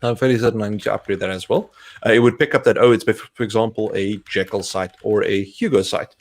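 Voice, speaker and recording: A young man with a South African accent, co-hosting a tech stream and talking through a live coding demo step by step in a relaxed way. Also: fairly low pitch, quick pace. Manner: talks through steps as he clicks, relaxed. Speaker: co-host, developer advocate.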